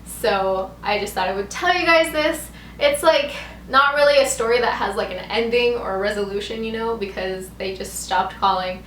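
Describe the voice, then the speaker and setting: A young woman vlogger, her voice a little high and fairly bright, tells a story at a moderate pace. The delivery is chatty and meandering, heavy on "like," and the recording has room echo plus background noise.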